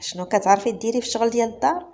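A woman storyteller voicing an older lady of a rich house with a Moroccan accent, who talks effusively and rises high when excited. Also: racing, natural voice. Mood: kindly. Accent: Moroccan Arabic. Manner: effusive, exclaiming, high bursts.

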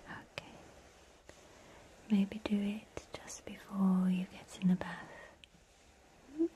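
A British woman whispering an ASMR spa role play in a soothing, gentle, unhurried way with pauses. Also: medium pitch, little pitch movement, a little hiss or hum. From United Kingdom. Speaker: ASMR artist playing a spa attendant.

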